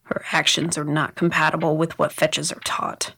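A clinical otherworldly analyst, played by an actor, states things precisely. The voice is bright and mid-pitched, calm and literal, in a fantasy audio drama. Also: moderate pace, breathy edge. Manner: matter-of-fact, precise.

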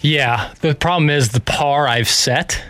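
A man working as a radio producer, talking casually and wryly in a flat, self-described monotone. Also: a little high, unhurried, no room sound, faint music behind. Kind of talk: casual sports radio banter.

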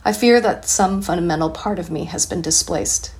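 A woman with a fairly low voice reads her own personal essay aloud. Her first language is Cantonese, and she takes a measured, reflective pace through the text. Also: darkish tone.

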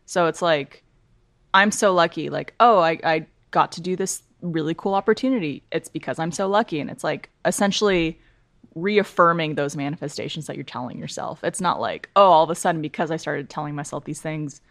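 A woman in her thirties from Canada, hosting a casual chat podcast, explaining things in a relaxed, thoughtful way. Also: low voice, brisk, no echo. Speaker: host.

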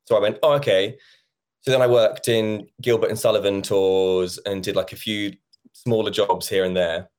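A man's voice: on the low side, steady tone, normal speed, a little mellow. A man in his thirties, a musical theatre actor chatting as an interview guest and acting out past conversations. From England. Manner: chatty, acts out quoted conversations. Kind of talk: casual interview chat.

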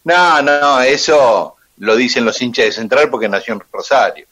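A man's voice: medium pitch, normal speed. A man with an Argentine accent, a radio guest telling history in detail with frequent fillers. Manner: detailed, steady, with "eh" and "este" fillers. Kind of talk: storytelling on radio.

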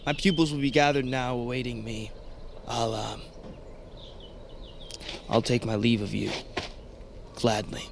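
An actor playing a meek, gentle tribal storyteller in a fantasy audio drama, halting, deferential and subdued. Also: male voice, mid-range voice, little pitch movement, creaky, slight background noise. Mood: wounded, resigned.

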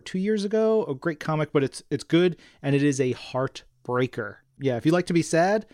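Enthusiastic higher-pitched man co-hosting a podcast. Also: moderate pace, a little mellow, dry recording, studio quality. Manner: enthusiastic, playful, emphatic hype. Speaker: podcast co-host. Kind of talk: upbeat co-hosted podcast chat about comics and entertainment.

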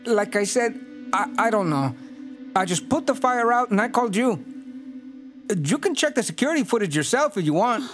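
Apologetic, halting male worker, faint music bed. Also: high-pitched, lively intonation. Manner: slow, hesitant, apologetic.

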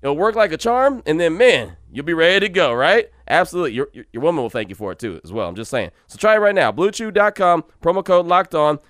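A man's voice: fairly high pitch, big pitch swings, quick pace, hardly any pauses, a bit bright, no room sound, studio quality. A man in his early forties hosting a sports podcast, chatty and slangy, speaking casually and directly to his listeners. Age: early 40s. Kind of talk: casual solo podcast talk with host-read ads.

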